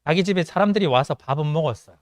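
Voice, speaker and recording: A man's voice: on the high side, very fast, no echo. A male pastor with a mild Gyeongsang accent, giving a conversational sermon with joking asides. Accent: mild Gyeongsang Korean. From Gyeongsang region of South Korea. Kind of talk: sermon to a young adults' congregation.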